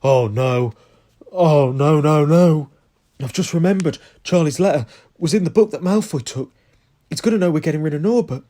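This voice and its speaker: A man voicing an anxious teenage schoolboy who panics in a hoarse voice. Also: fairly high pitch, normal speed, dark tone, pitched above the performer's own voice, natural voice. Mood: panicking.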